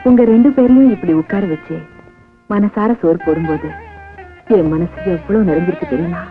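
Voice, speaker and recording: An actress playing a remorseful elder sister who speaks with heartfelt emotion. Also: female voice, lowish voice, normal speed, narrow, tinny audio, music in the background, close to an everyday voice. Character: older sister figure, remorseful bootlegger woman. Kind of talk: 1990s Tamil film acting.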